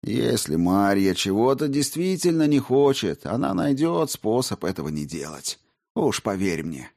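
A man's voice: on the low side, a little slow, vocal fry, voice pushed up, exaggerated voice. A man voicing a cocky, defiant schemer who brushes off accusations, in a storybook reading. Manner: indignant, then calm and dismissive.

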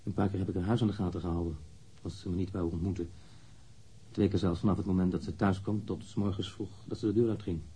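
Radio play witness in his 30s, low mellow husky voice, blunt and precise, totally matter of fact. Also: steady tone, fast talker. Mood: candid, subdued. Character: jealous male ex-lover, blunt, candid police witness. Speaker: witness under questioning. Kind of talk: radio drama interrogation acting.

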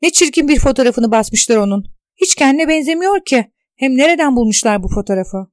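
A woman reading out the loud, exasperated outbursts of a shaken, indignant character alone at home, in an audiobook. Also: fairly high pitch, brisk, dry recording, studio quality, natural voice. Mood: distraught.

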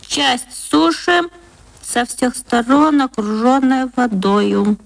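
A woman's voice: on the high side, takes it slowly, gravelly, pitched above the performer's own voice. A woman voicing a cheerful nine-year-old schoolboy who asks eager, chirpy questions in a radio play.

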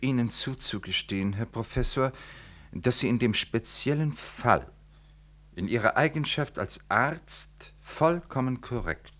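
An actor playing a dignified, self-righteous Catholic priest in a 1960s German radio drama, speaking in formal, measured, emphatic declamation. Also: male voice, fairly low pitch, fairly bright tone, full character voice. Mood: earnest, emphatic.

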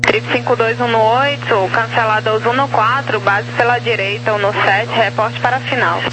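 A woman's voice: fairly high pitch, fairly even intonation, normal speed, background noise. A Brazilian woman working as a tower controller, giving brief instructions over aviation radio. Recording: humming aviation radio transmission.

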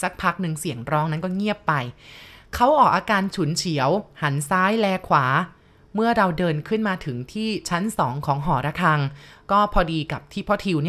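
A woman narrating listener-sent ghost stories, polite and talking straight to her audience. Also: mid-range voice. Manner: polite, addresses listeners directly.

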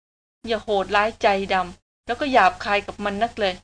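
A woman's voice: mid-range voice, fairly even intonation, moderate pace, a bit bright, close to an everyday voice. A woman reading the lines of a spirited young woman who speaks firmly and reproachfully, in an audiobook novel. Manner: firm, reproachful talk. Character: spirited young woman, sharp-tongued and caring.

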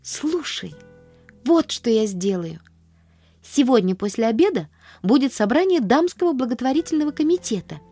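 A woman's voice: on the high side, sing-song, moderate pace, mellow, no echo, faint music behind, voice pushed up. A woman voicing an earnest, cheerful little girl who talks in a breathless, pleading sing-song. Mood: eager.

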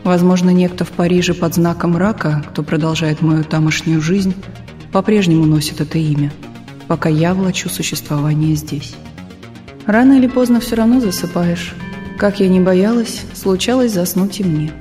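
A woman narrating a literary audiobook in a calm, measured reading style. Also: fairly low pitch, soft background music. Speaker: audiobook reader.

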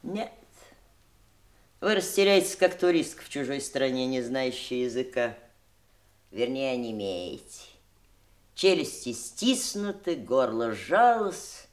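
Middle-aged widow, radio drama, biting yet sorrowful, highly animated pitch, deliberate emphatic phrasing. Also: female voice, heavily acted. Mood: impassioned reproach. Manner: emphatic, eloquent, deliberate reproach. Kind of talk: theatrical Russian audio drama acting.

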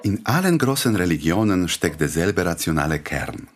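An actor playing an idealistic Jewish doctor and inventor in a radio play, speaking courteously and earnestly with gentle irony. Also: male voice, low-pitched, very animated, normal speed, a little hiss or hum. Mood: welcoming, earnest.

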